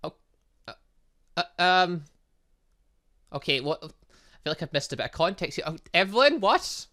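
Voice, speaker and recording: A man hosting a gaming video, giving casual, excitable and rambling commentary and stumbling as he reads game text aloud. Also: a little high, moderate pace. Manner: excitable, rambling, stumbles over read lines. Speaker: gaming video host, let's play narrator.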